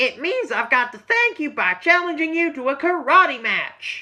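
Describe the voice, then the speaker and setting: A put-on character voice, female-sounding and high-pitched, with very wide pitch swings at a moderate pace. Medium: read story. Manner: folksy, spirited.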